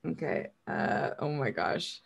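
A woman hosting a podcast, animated and quick to laugh, chatting casually and swearing now and then. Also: rumbling low, creaky, breathy edge. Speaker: podcast host. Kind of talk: casual interview chat.

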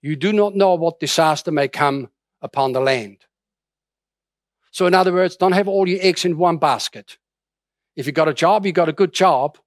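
A man's voice: fairly high pitch, moderate pace, pauses often, no room sound, clean studio sound. A middle-aged man from Austria preaching a sermon in a conversational way, with many restarts and fillers. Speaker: pastor.

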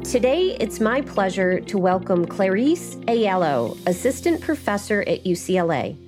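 Lively-voiced woman interview host. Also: mid-range voice, a little slow, over music.

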